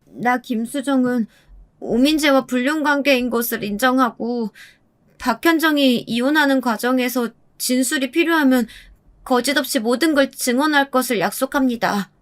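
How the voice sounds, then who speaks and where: Woman doing a high, terrified groveling mistress. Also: normal speed, close to an everyday voice. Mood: reciting fearfully. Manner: trembling, pleading, high and breathless.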